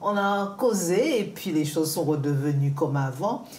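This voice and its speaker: The voice is somewhat breathy with a dark, mellow tone and lively intonation, set in audible room echo. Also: woman. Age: 60s. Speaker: guest speaking about her marriage. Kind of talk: talk show testimony.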